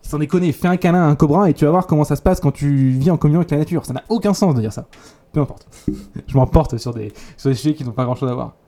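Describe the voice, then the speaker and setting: A man delivers a casual motivational talk at a rapid clip. His voice sits a bit high yet sounds dark and mellow. He speaks bluntly in crude slang, with frequent fillers and restarts. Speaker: YouTube 3D teacher.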